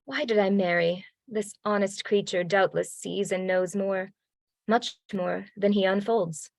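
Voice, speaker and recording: A woman's voice: medium pitch, fairly even intonation, measured pace, gravelly, darkish tone, no echo, studio quality. A woman reading the part of a proud middle-aged male general gnawed by jealousy, in earnest Shakespearean verse. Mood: brooding. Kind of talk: Shakespeare read-along.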